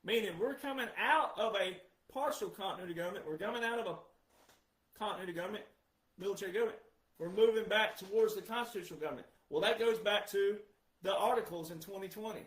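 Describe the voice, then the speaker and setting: Male commentator, high register, roomy echo; emphatic, repeats key words for stress. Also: fast, fairly bright tone. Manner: emphatic, asks rhetorical questions then answers them. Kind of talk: monologue commentary.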